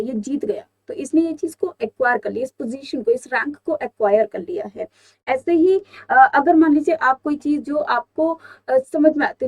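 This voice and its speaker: Indian woman teacher, young, high-pitched, walks learners through words with questions. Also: a little mellow. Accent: Indian English. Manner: explains with rhetorical questions. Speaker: English vocabulary teacher. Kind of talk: exam-prep vocabulary lesson.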